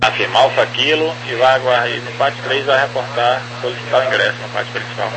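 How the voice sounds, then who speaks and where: A Brazilian man with a medium-pitched voice gives clipped air traffic instructions. The radio transmission has a clear hum and noise throughout. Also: quick pace. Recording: humming, noisy aviation radio.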